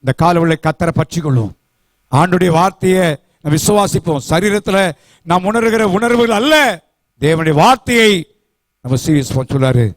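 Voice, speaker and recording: Male pastor, fervent call-and-response preacher; pitched high, dry and close-miked. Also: animated, moderate pace, long pauses, no room sound. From South India. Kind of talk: sermon. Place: church.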